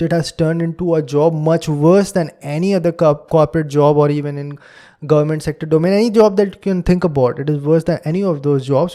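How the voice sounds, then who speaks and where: A man's voice: a little high, mellow. A young man with an Indian English accent, a native Hindi speaker, talking alone on his podcast in an earnest, lecturing way. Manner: earnest, lecturing, acts out quotes in a raised voice. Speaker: podcast host. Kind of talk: solo podcast monologue.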